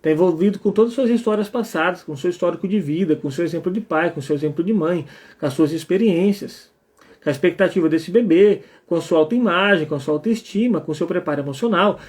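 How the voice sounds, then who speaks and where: A Brazilian psychologist gives a live talk, his voice sitting high for a man. He speaks emphatically and bluntly. He keeps checking in with his listeners as he goes. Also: fast talker, a little mellow. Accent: Brazilian Portuguese. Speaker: psychologist and couples therapist.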